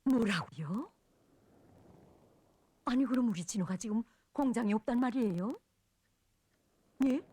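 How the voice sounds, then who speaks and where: A woman's voice: a little high, moderate pace, long pauses, warm tone, a little hiss or hum, natural voice. A woman with a North Korean accent acting a fretful middle-aged mother in a film drama, full of exclamations. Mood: anxious, upset. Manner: fretting, exclamatory. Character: fretful middle-aged mother upset about her son.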